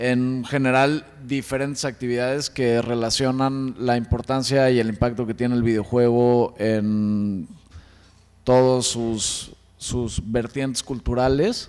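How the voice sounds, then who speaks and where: Speaking very slowly, a man holds a medium pitch with monotone, flat intonation. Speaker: conference speaker. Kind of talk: lecture. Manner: halting.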